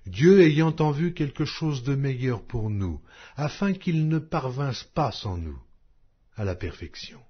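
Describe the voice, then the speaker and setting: A man narrating an audio Bible as a scripted reading, in a solemn, measured, carefully articulated manner. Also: mid-range voice, big pitch swings, husky, lo-fi sound.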